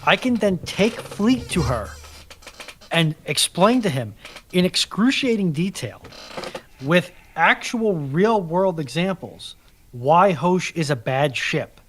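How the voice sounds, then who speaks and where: A man on a casual panel chat, speaking with dry, deliberate and wordy emphasis. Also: sits high, expressive, a little hiss or hum.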